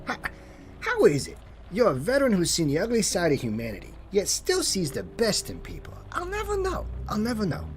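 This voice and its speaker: An actor playing a cocky, sarcastic detective in an audio drama, needling and mocking the people around him. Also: male voice, sits high, wildly swooping pitch, soft background music, full character voice. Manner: sarcastic, needling, quick to mock. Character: cocky wisecracking male detective Bash.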